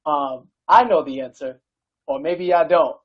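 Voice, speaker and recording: A man's voice: fairly high pitch, measured pace, highs cut off. A man casting a fighting game tournament, loose and joking with sudden bursts of hype. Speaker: esports commentator.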